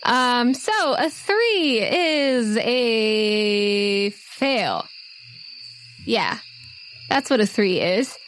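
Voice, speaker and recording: A woman game master improvising narration for a tabletop role-playing game in a conversational, halting, descriptive way. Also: on the high side, animated, a bit bright. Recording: faint noise with night insects and owls.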